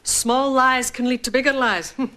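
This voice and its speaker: A woman's voice: high voice, moderate pace. An actress with a Scottish accent playing a chatty, devout Catholic woman who teases and moralizes. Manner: lively, teasing, moralizing. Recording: noisy broadcast sound.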